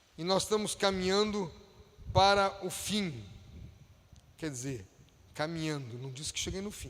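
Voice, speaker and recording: With audible room echo, a man talks at a high pitch with lively intonation and long, frequent pauses. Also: big swings in loudness. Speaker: preacher. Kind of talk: sermon.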